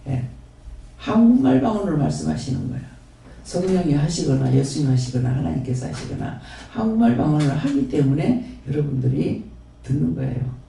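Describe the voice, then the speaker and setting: A man's voice: a little high, big pitch swings, a little fast, gravelly, dark tone, a little hiss or hum. A man with a Gyeongsang accent preaching a rambling, repetitive, folksy sermon and then praying, as a pastor. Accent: Gyeongsang Korean. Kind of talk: sermon and closing prayer. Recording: very echoey hall, distant mic.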